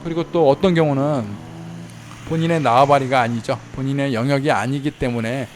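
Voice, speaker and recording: A man giving casual travel tips in a chatty way, slowing down to spell out how words sound. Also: mid-range voice, fairly even intonation, a little hiss or hum. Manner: chatty, slows down to spell out pronunciations. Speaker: travel vlogger in Thailand. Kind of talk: casual explanatory talk. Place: inside a car while driving.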